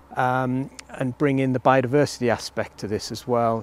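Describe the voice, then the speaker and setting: A man at a moderate pace, monotone and flat, in a dry sound with no echo. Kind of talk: interview answer. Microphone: lapel.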